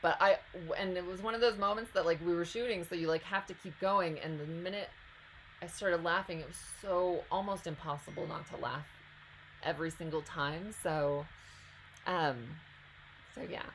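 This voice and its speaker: A woman's voice: lowish voice, moderate pace, a bit bright, slight background noise, rough recording. A woman hosting a live stream, reading out viewer questions and answering them in a chatty, casual way.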